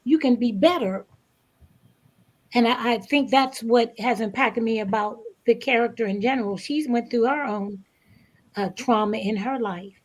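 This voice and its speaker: A woman guest speaking reflectively in a panel interview, with emphatic, deliberate phrasing and pauses. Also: on the high side. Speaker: stage play cast member, guest.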